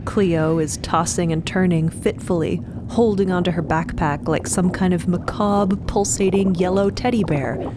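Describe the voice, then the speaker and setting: Low-pitched female fiction narrator. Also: steady tone, unhurried. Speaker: podcast narrator and host. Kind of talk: scripted fiction podcast narration. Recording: loud ambient rumble behind voice.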